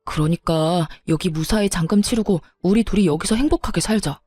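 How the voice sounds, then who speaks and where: In a narrated story with voiced dialogue, a woman plays a desperate, quick-tempered married man who pleads, flip-flopping between begging and threatening. Her voice is lowish, a little fast, dark and slightly breathy. The clean studio recording has no echo and soft background music.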